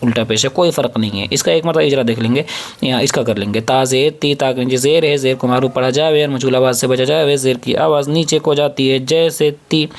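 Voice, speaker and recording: Patient man drilling drawn-out syllables. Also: medium pitch, fairly even intonation. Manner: asks and answers his own questions. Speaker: Quran reading teacher. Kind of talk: step-by-step reading lesson.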